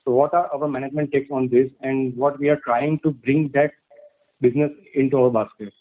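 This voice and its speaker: A man with an Indian accent asking questions as a caller, halting and repeating himself. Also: medium pitch, fairly even intonation. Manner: halting, repetitive. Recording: choppy, crackly phone line.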